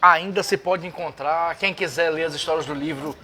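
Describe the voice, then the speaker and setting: A man hosting a casual interview, eager and prompting with quick interjections. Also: fairly high pitch, a crowd in the background. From Brazil. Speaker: interviewer host.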